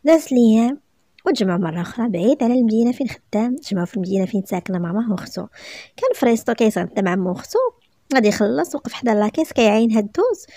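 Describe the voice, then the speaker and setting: A Moroccan woman reads a romance story aloud, brisk and lively. Her voice sits fairly high and runs fast. The recording is dry and close. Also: no room sound.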